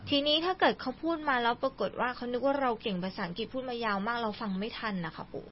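On a dull, lo-fi recording with a little background noise, a young female host runs a chatty, radio-style language lesson, asking her guest question after question. She speaks quickly and expressively in a slightly high voice.

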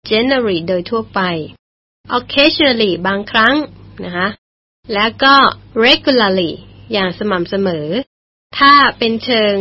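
Husky woman teaching English slowly. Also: medium pitch. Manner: patient, explains slowly, repeats English phrases. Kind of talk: radio English lesson. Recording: dull lo-fi broadcast recording.

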